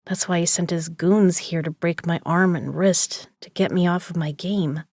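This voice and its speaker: A woman's voice: on the low side, fairly even intonation, moderate pace, darkish tone, no room sound. A woman acting in an audio drama as a stubborn poker player who is drugged and woozy, with a drowsy, loopy delivery. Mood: woozy musing.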